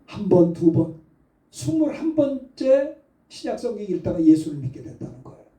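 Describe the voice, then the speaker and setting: A man's voice: sits high, very animated, normal speed, warm tone. A middle-aged male pastor giving a Sunday sermon, telling a story in a chatty way and rising to fervent exhortation. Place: church sanctuary. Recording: echoey church hall, mic at a distance.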